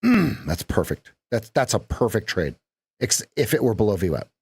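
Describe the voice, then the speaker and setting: A man's voice: fairly low pitch, very animated, moderate pace, vocal fry, a little mellow, husky, no room sound. A man hosting a live day-trading stream, chatting with viewers and repeating phrases as he watches the market.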